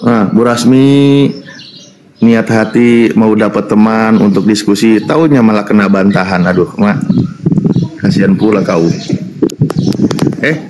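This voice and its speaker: A man's voice: on the low side, unhurried, long pauses, background noise. A man who is a Muslim preacher in a heated online interfaith debate, teasing and mocking his opponents and repeating his taunts.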